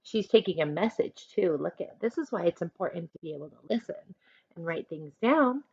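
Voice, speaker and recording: A woman teacher reading aloud to children, adding chatty instructive asides in an expressive manner. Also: on the low side, a little fast, vocal fry, husky, dry recording, highs cut off. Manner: expressive, instructive, acts out short examples.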